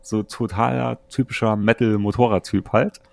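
A man of around forty from Germany, casually telling anecdotes as a podcast host in a chatty, animated way. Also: lowish voice, moderate pace, creaky, no room sound. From Saarland, Germany. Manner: chatty, animated storyteller who acts out friends' dialogue.

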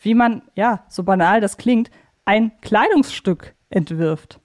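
Frau als lockere Interviewerin, mittlere Stimmlage. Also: female voice, medium pitch, takes it slowly, a little mellow. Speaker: podcast interviewer. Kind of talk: casual interview talk.

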